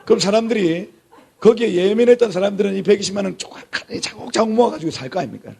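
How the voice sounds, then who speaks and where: A man's voice: sits high, quick pace, vocal fry, dark tone, slightly rough. A middle-aged man, a pastor giving a sermon-style lecture, emphatic, repeating key words and dropping to near-whispers for emphasis. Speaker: pastor teaching a theology class.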